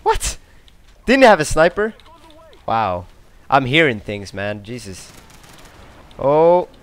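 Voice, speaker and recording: A young man from Sweden giving live gameplay commentary, excitable and swearing often, with sudden outbursts. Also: mid-range voice, slow.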